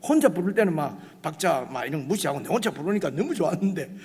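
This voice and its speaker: A male pastor preaches in a casual, conversational way, full of fillers and restarts. His voice sits high and swings widely, with a slightly husky edge. The long reverb of a church hall trails behind him. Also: quick pace. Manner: animated, many fillers and restarts, rising to near shouts. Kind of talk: conversational sermon. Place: church sanctuary.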